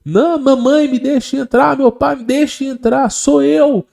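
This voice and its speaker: A man's voice: very high-pitched, fairly even intonation, a little slow, vocal fry, a little mellow, pitched above the performer's own voice, heavily acted. A man voicing a demon that pretends to be a grown child, begging insistently to be let in. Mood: pleading. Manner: pleading, insistent.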